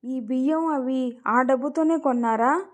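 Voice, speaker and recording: A woman voicing a poor, anxious middle-aged father who asks halting, worried questions. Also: high-pitched.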